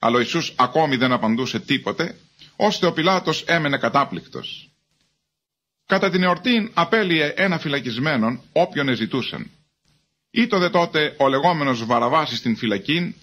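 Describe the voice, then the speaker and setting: A man giving a measured, formal reading of scripture as a Bible reader. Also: fairly high pitch, lively intonation, bright, forceful tone.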